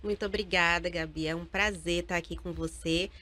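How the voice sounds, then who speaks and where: A woman's voice: on the low side, steady tone, a little fast, pushed and bright. A Brazilian woman from Bahia talking as a guest in an interview. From Salvador, Bahia, Brazil. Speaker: guest, lawyer and activist. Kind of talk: personal interview talk.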